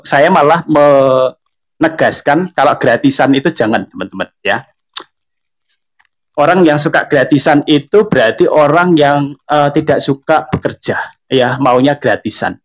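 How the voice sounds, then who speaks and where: Central javanese guy on a live stream, young, chatty, lots of fillers, keeps calling out to viewers. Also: on the high side. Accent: Central Javanese Indonesian. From Central Java. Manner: chatty, filler-heavy, addresses viewers often. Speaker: online tutor and streamer. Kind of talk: casual live-stream talk.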